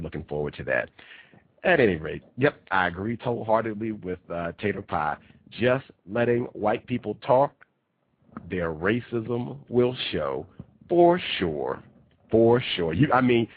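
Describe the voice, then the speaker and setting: A very low-voiced male radio host, nasal and congested from a cold, hammers his points home with repetition. His voice is husky and dry. It comes through a thin, phone-like line. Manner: emphatic, repeats key phrases. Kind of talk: talk radio monologue. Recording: tinny phone-line quality.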